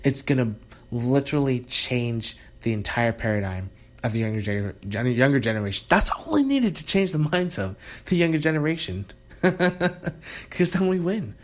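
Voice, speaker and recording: A man's voice: mid-range voice, big pitch swings, brisk. A man talking in a rambling, sarcastic monologue, often breaking off and restarting. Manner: rambling, sarcastic, self-interrupting with laughs. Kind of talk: casual monologue.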